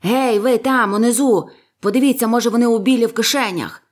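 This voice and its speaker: A woman voicing a blind old male pirate beggar, furious and barking harsh commands in a breathy voice, in a storybook reading. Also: medium pitch, normal speed, lightly acted.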